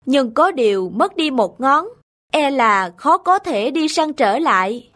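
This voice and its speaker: A woman voicing a loyal, calm young male tribal aide with a deferential, earnest manner in a cartoon folk tale. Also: high-pitched, slow, full character voice. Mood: concerned. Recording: studio voice over background music.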